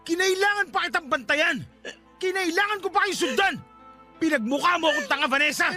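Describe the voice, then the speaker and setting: A betrayed fiancé in a radio drama, bright and forceful. He hurls accusations in a loud, very high voice, with music playing underneath. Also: fairly quick, full character voice. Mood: enraged. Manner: shouting, accusatory. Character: furious betrayed fiancé confronting his cheating girlfriend. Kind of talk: Tagalog radio drama acting.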